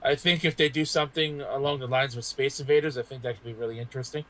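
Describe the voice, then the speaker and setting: A man's voice: medium pitch, fairly even intonation, fast, crowd noise. A man on a podcast panel, chatting casually with the others. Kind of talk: casual chat.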